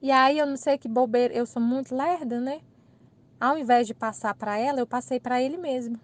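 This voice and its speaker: Brazilian woman, casual storytelling, animated, somewhat high voice. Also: fairly quick. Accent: Brazilian Portuguese. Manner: animated, laughing retelling with quoted dialogue. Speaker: channel host.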